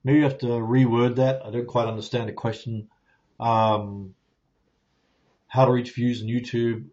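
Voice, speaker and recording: A man's voice: medium pitch, a little slow, dull audio. Kiwi man rambling through viewer questions. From New Zealand. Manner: relaxed, rambling, many fillers and restarts. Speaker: YouTuber answering viewer questions. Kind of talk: casual live Q&A. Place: home studio with ring light, softboxes and plants. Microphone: phone with clip-on lapel mic.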